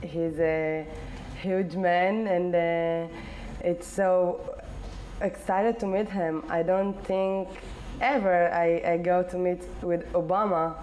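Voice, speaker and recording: A woman in her twenties from Ethiopia, answering interview questions in halting English with many pauses and fillers. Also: on the low side, steady tone, darkish tone, a little hiss or hum. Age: 20s. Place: indoor living room.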